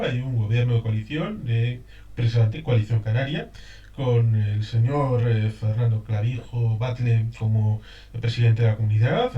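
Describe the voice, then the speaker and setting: A man's voice: mid-range voice, mellow. Distant, echoey male interviewer. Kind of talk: interview question. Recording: roomy, distant, dull lo-fi sound.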